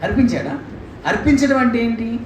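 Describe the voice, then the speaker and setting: A man's voice: extremely high pitch, normal speed. A man preaching a sermon in a church, speaking animatedly with rhetorical questions and acted quotes. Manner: animated, mimics scripture voices, rhetorical questions. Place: church hall. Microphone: handheld mic. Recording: echoey church room, distant mic, faint noise.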